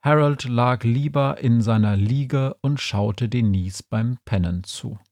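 A man reading a humorous story aloud with a lively, dry-humored delivery. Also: medium pitch, slow pace, no room sound.

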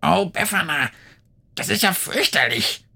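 High squawky male crow, gravelly and husky, fretful storybook bird. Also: lively intonation, unhurried, bright, forceful tone, full character voice. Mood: alarmed. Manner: shrill, fretful objections. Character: nervous talking male crow. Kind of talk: storybook narration.

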